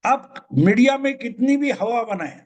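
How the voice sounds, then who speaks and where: Older man, high emphatic commentary. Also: animated, unhurried. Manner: emphatic, repeats points. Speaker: political commentator. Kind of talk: solo political commentary.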